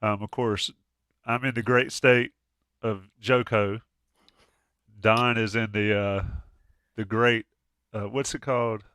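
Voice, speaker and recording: A man's voice: on the low side, fairly even intonation, slow pace, long pauses, a bit bright, smooth, dry recording, studio quality. A man hosting a casual sports chat, stuffy from a cold, joking and restarting often. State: congested with a cold. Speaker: podcast host.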